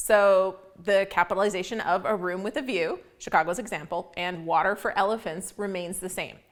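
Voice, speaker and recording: Here a woman with a Canadian accent uses an ordinary speaking voice at a medium pitch and a fairly quick pace. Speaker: book publishing company founder. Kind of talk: educational video talk.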